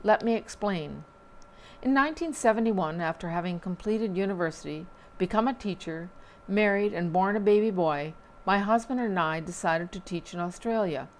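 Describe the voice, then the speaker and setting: A woman reading local newspaper items aloud at a measured pace, with small slips and dry asides. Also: mid-range voice, slight background noise.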